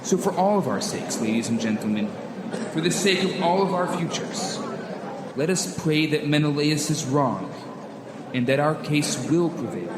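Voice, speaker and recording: A man's voice: on the high side, lively intonation, normal speed, reverberant, very noisy, close to an everyday voice. A man playing a resolute Jewish rebel leader giving an earnest, declamatory speech in a radio drama. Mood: impassioned. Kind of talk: old-time radio drama reenactment speech.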